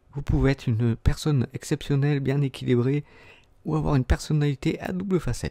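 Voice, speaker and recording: Recorded very cleanly against a silent background, a man with a dark, mellow tone and fairly high pitch speaks at a moderate pace with ordinary pitch variation, the sound dry and close with no echo. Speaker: YouTuber. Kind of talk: voice-over fact narration.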